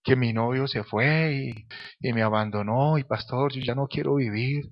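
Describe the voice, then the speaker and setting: A man quoting a heartbroken young woman in a soft, quiet, pleading way. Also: medium pitch, normal speed, dull audio, a little hiss or hum, natural voice. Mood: despairing.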